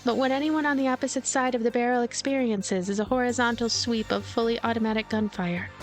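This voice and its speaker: A woman reading a game's story aloud as a let's play host, with expressive narration and casual asides. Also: a little high, fast, faint music behind. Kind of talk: voiced narration with casual commentary.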